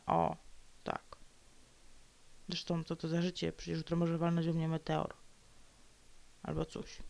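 Gravelly grumbling woman vlogger. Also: lowish voice, darkish tone. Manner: sulky ranting, dips into whispered mutters; playful growls and repetitions. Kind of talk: grumbling solo monologue.

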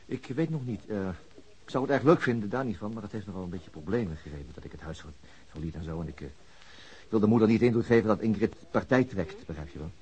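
An actor playing a hesitant, rueful middle-aged police chief inspector in a naturalistic radio drama, halting and stammering as he talks. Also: on the low side, animated, a little mellow, slightly rough, rough recording. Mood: hesitant, friendly.

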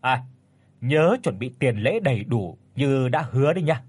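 A man's voice: medium pitch, animated, normal speed, darkish tone, breathy edge. A man voicing a cruel, contemptuous village sorcerer in a spoken horror story. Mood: scornful. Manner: harsh, contemptuous.

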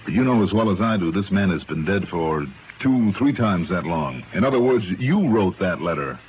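An American actor playing a shrewd, hard-nosed insurance investigator in an old-time radio drama, confident, pressing and sardonic. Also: male voice, low voice, lively intonation, normal speed. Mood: accusing, confident. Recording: vintage radio, narrow band, faint hiss.

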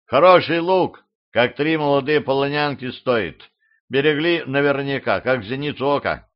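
A man voicing a gruff, commanding middle-aged boyar warrior in an audiobook, mocking and bold in manner. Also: medium pitch, normal speed, voice pushed up, natural voice. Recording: slightly dull lo-fi audio.

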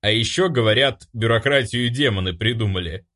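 A man's voice: mid-range voice, fairly quick, sharp tone. A man voicing a mischievous male demon who mocks and laughs at his companions. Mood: amused. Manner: mocking, laughing, raised voice.

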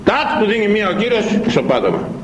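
A man's voice: high voice, huge pitch swings, slight background noise. A man preaching a sermon, emphatic and repetitive, hammering his points with rhetorical questions. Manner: emphatic, repeats phrases, fires rhetorical questions. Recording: echoey room.

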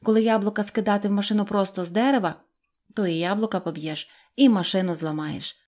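A woman voicing a calm, practical young male mechanic who explains things patiently. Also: medium pitch, quick pace, lightly acted. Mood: reasoning. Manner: calm, reasoning.

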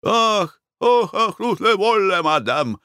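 A man voicing a pushy, fawning hotel tout who chatters without pause, in a raised voice. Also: high-pitched, very animated, sharp tone, clean tone, dry recording, studio quality, pitched above the performer's own voice, exaggerated voice.

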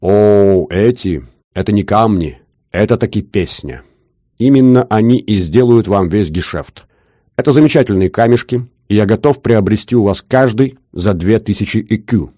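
A man's voice: on the low side, animated, normal speed, dark tone, no echo, studio quality. A man voicing a shrewd older jeweler with an Odessa accent, talking in a wheedling, sing-song bargaining patter. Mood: haggling. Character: shrewd older male jeweler, haggling, fussy.

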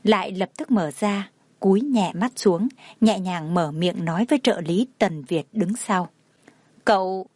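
A woman reading a romance novel aloud in a steady, even storytelling manner. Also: mid-range voice, unhurried, no room sound. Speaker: narrator. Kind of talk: scripted audiobook narration.

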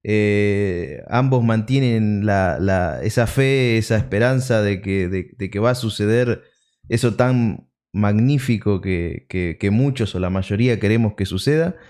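Smooth-voiced measured male host. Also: on the low side, a little mellow. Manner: measured, hesitant with fillers. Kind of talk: closing remarks in an interview.

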